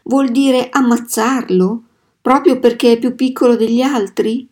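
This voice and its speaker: A distraught eight-year-old farm girl from a storybook, begging tearfully and refusing to back down, as a woman reader gives her voice. Her tone is soft and mellow rather than sharp, and her pleas come out slow and insistent. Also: a little high, fairly even intonation, breathy edge. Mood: pleading.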